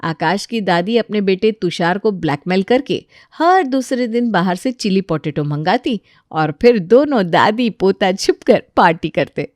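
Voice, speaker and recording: Calm woman storyteller, dry sound. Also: mid-range voice, measured pace, no echo. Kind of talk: scripted bedtime story narration.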